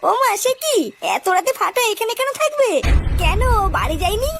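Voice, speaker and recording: A woman's voice: very high voice, very animated, moderate pace, background noise, exaggerated voice. A woman voicing a surprised, inquisitive village housewife and neighbour in a comedy cartoon. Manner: exclaiming, inquisitive. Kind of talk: amateur comedy cartoon dialogue.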